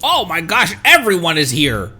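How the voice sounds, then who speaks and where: A man streaming a game with casual, reactive and somewhat halting live commentary. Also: a little high, huge pitch swings, over music.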